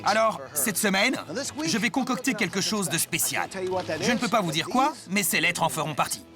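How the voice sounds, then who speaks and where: Male team member in a makeover dub, high voice, enthusiastic, music behind. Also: expressive, moderate pace. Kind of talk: dubbed reality-show interview. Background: background music.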